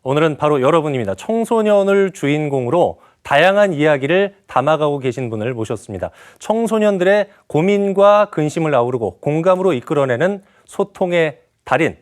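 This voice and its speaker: A man's voice: a little high, expressive, a little fast, hardly any pauses. A man hosting the program, reading a polished scripted introduction of the guest. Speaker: program host.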